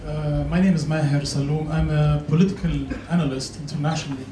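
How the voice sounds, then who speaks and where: A man's voice: fairly high pitch, fairly even intonation, fast. A man from Lebanon asking a long, earnest question from the audience of a workshop. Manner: long-winded, earnest, searching for words. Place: lecture hall. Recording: echoey hall, distant mic, noticeable noise.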